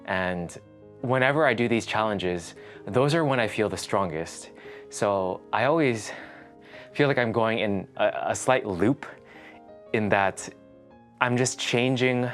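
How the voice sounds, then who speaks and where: A man's voice: fairly low pitch, a bit bright. A man hosting a fitness vlog, chatting casually and thinking aloud in a rambling way. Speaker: host of a fitness challenge vlog. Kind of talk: casual chat to the viewer.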